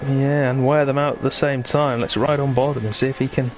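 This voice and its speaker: A man's voice: medium pitch, flat delivery, a little fast. Man commentating on online racing, noisy background. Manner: conversational, bantering with co-commentator. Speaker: sim racing commentator and host. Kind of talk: live esports racing commentary, chatty.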